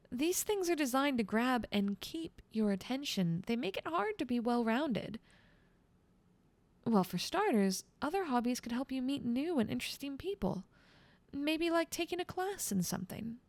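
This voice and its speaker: A woman's voice: a little high, no room sound. A woman playing a motherly guardian angel girl in an ASMR roleplay, doting and coaxing with mild scolding. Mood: coaxing, practical.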